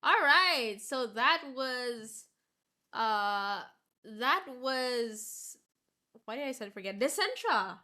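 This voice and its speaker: A woman's voice: on the high side, lively intonation, slow pace, sharp tone. A woman game streamer reading visual novel narration aloud and commenting casually. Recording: music behind the voice. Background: game music.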